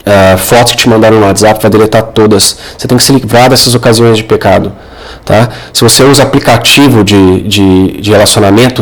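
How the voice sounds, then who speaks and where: A man with a Brazilian accent giving informal religious advice in an earnest, didactic monologue, speaking directly to the listener. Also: on the low side. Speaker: Catholic advice video creator.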